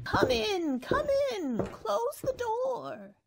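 Creaky, high-pitched eccentric old aunt. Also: female voice, big pitch swings, drawn-out words, a little hiss or hum, full character voice. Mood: eerily welcoming. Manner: repeats herself, abrupt, brushes people off. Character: eccentric little old aunt, welcoming yet eerie. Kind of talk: radio play acting.

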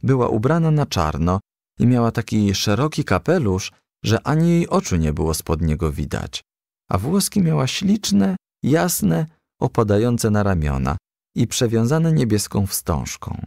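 A man narrating a children's storybook with expressive, animated delivery. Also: medium pitch, unhurried, creaky, dry recording, studio quality. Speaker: audiobook narrator.

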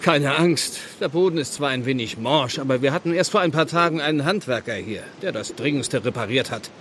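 An actor playing an earnest, self-righteous village reverend in a German radio play, with a solemn, formal and guarded delivery. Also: male voice, medium pitch, a little fast, a bit bright, lightly acted. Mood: calm. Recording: echoey stone church space, noisy background.

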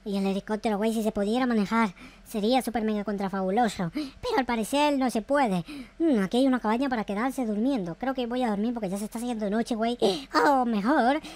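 High-pitched, excitable noob gamer played by a man. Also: fast talker, dry recording. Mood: excited, curious. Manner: frantic, repetitive, exclamatory. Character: panicky, excitable, naive noob game character. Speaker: gaming video creator. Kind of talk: excited Minecraft roleplay commentary. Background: faint music.

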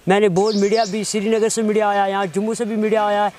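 High-voiced Kashmiri man, halting and earnest. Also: little pitch movement, a little mellow, slight background noise. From Kashmir, India. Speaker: interviewee, mobile phone mechanic. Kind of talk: earnest interview answers. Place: outdoors on a lawn beside a wooden house.

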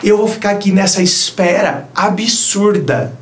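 A man's voice: high voice, measured pace, roomy sound. A man with a Brazilian Portuguese accent giving blunt, teasing relationship advice in a casual monologue. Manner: blunt, teasing, acts out quoted voices.

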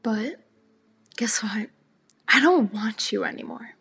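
Teen girl for spoken word, husky with a gravelly edge, slow and deliberate delivery. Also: fairly high pitch, lively intonation, fairly bright tone. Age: teens. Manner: slow and deliberate, partly whispered.

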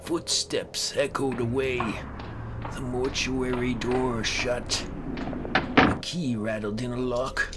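A man's voice: medium pitch, level tone, slow, loud music behind the voice. A man giving a brooding, theatrical first-person narration of a horror comic story. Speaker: narrator and amateur voice actor.

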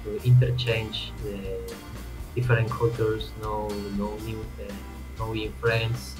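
A man's voice: on the low side, flat delivery, takes it slowly, over music, rough recording. A man being interviewed casually on a video call.

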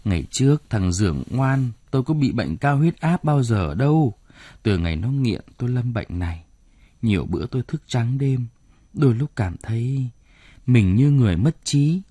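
A man voicing a weary, grieving older father in an audiobook, speaking gravely and sternly. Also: medium pitch, animated, normal speed, mellow, no echo, natural voice. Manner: sorrowful, stern.

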